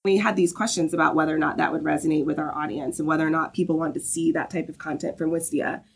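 A woman's voice: low-pitched, steady tone, fast, creaky, a little hiss or hum. A woman from the Southern US, a guest on a podcast interview, explaining her work fluently and often checking in with "right?". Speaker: guest, marketing lead.

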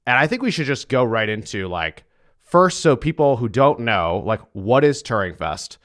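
A man's voice: mid-range voice, sing-song, normal speed, fairly bright tone. A man hosting an interview in an informal, conversational way. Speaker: interviewer, host. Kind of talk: casual chat.

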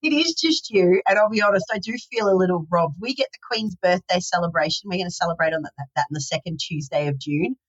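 A woman co-hosts a casual podcast in a candid, upbeat manner. Her voice sits low for a woman. The sound is dull and lo-fi, as if it were coming in over a remote line. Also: fast talker, hardly any pauses, breathy edge. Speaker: podcast co-host. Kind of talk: casual conversational podcast chat.

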